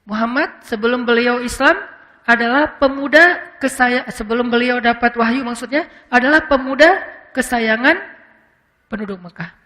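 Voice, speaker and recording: A man preaching in a casual, conversational lecture, with frequent fillers and English words mixed in. He slows into a solemn voice when acting out quoted speech. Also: extremely high pitch, bright, forceful tone, in a large hall. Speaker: Islamic preacher.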